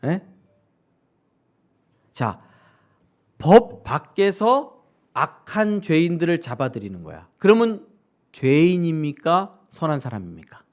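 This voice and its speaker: A man's voice: slow pace, pauses often. A male pastor preaching a sermon. He keeps putting questions to his congregation and acts out what other people say. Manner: animated, asks the congregation questions directly; acts out quoted voices with sudden high-pitched outbursts.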